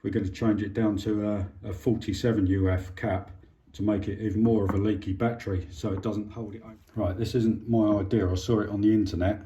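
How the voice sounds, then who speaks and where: A man's voice: fairly low pitch, level tone, fairly quick, few pauses, warm tone, a little hiss or hum. A British man giving a casual hands-on repair demonstration, informal and a bit hesitant as he thinks aloud while working. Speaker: hobbyist presenter of an electronics repair.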